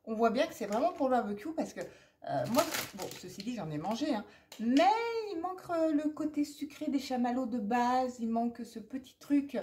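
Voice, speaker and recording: Middle-aged French woman, chatty rambling vlogger, slightly high voice, recurring cough. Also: lively intonation, moderate pace, a little mellow, a little hiss or hum. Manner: chatty and rambling, many fillers and asides. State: persistent cough. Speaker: haul vlogger. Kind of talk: casual haul chat to camera.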